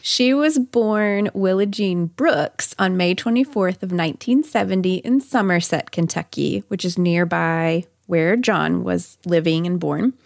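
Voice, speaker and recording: A woman's voice: lowish voice, a little slow, gravelly, few pauses, no room sound, studio quality. A woman hosting a podcast, telling a true-crime story conversationally with chatty asides. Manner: chatty asides amid narration. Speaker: podcast host.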